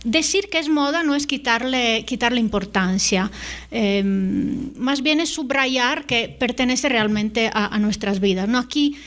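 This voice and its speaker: Speaking as an invited lecturer at a conference, this middle-aged woman whose mother tongue is Italian sounds tentative, leaning on fillers and tag questions. Her fairly high, fairly bright voice moves at a slightly slow pace.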